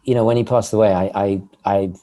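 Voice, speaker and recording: A man with a British accent, whose first language is Italian, chats as a podcast guest. His voice is low and mellow, and he often stops to repeat words before going on. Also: fairly even intonation, fairly quick. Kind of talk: casual podcast chat.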